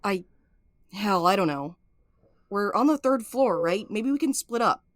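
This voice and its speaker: A woman's voice: medium pitch, animated, measured pace, no room sound, studio quality, close to an everyday voice. A woman acting in an audio drama as a brash, impatient and snarky amateur sleuth with a blunt manner. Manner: blunt, foul-mouthed, bossy.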